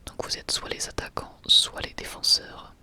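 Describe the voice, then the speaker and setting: A man speaking in a soft, breathy ASMR whisper, gently addressing viewers as a video creator. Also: normal speed.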